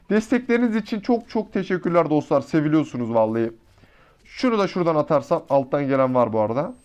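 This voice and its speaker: A man giving excitable, slangy live commentary over a mobile shooter match, talking to his teammates and to his viewers. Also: sits high, smooth. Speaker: mobile shooter gameplay YouTuber.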